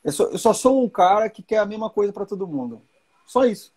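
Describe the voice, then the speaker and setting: A man's voice: high voice, lively intonation, a little fast, a little mellow, breathy edge. A man in his forties hosting a live chat, explaining with reassurance and repeating key points. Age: 40s. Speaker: host.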